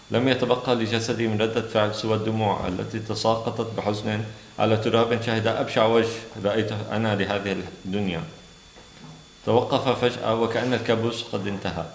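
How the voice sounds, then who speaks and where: Low, creaky man in an echoing room. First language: Arabic. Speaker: novelist reading from his own book. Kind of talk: author reading and commenting at an event. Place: indoor literary venue. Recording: roomy echo, faint background noise.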